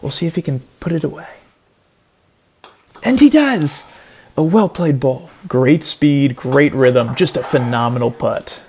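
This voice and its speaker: A man giving earnest, deadpan play-by-play as a mock golf commentator in a parody sports broadcast. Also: medium pitch, a little slow, a little hiss or hum. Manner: earnest play-by-play, building to excited outbursts.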